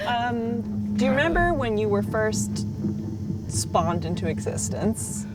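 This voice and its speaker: A woman's voice: on the high side, sing-song, slow, distant mic, loud music behind the voice, rough recording. A woman playing in an improvised tabletop game, chatting casually in character with reassuring banter.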